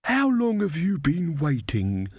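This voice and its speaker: A man's voice: on the high side, wildly swooping pitch, slow, husky, no echo, studio quality, voice pushed up, exaggerated voice. A man voicing a mild, cheerful old fairy godmother woman who chats and rambles. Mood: mild, chatty.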